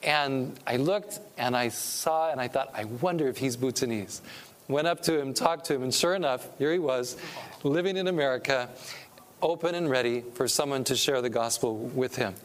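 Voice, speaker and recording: A man's voice: medium pitch, moderate pace, a little hiss or hum. A middle-aged man from California giving an earnest, preacherly talk to a church audience as a pastor and missionary speaker. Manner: earnest, preacherly, rising with emphasis on key points.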